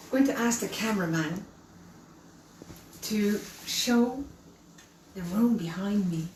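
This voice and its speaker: Chatty woman host, roomy distant sound. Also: mid-range voice. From Canada and Chile. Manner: chatty, welcoming, addresses viewers directly. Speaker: cooking show host. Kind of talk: live cooking stream. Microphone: camera held by her son at a distance. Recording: roomy and distant with faint hum.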